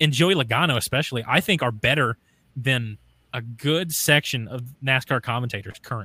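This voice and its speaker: Bright and sharp in tone, a man with an American accent talks at a fairly quick pace with lively intonation, the sound dry and close with no echo on a very clean recording with a silent background. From US South. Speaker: guest co-host commenting on racing. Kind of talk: casual chat about motorsports.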